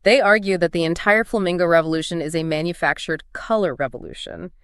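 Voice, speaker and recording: Incredulous, sarcastic woman podcaster, crisp and clear. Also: fairly low pitch, fast, no room sound, clean studio sound. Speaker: co-host. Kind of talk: conversational political explainer podcast.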